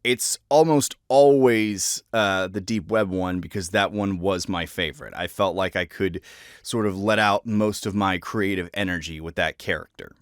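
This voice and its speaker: Low-pitched, clear-voiced man chatting. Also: moderate pace, no room sound, studio quality. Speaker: voice actor presenting favorite characters. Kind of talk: casual talk to viewers.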